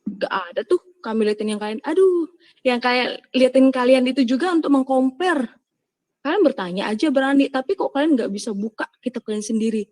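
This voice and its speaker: A woman's voice: high voice, lively intonation, a little fast, darkish tone. A woman, a Christian apologist preaching to her audience in an emphatic, scolding way full of rhetorical questions. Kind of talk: impassioned preaching in a live discussion.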